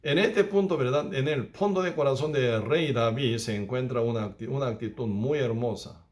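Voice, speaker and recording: A pastor leads a Bible study in a church, speaking in a mid-range voice. His phrasing is halting, he repeats himself, and he often adds tag questions.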